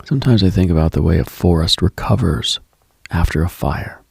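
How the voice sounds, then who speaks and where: A man hosting a late-night spiritual radio show, speaking in a hushed, breathy, reflective monologue. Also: sits low, fairly quick, no room sound.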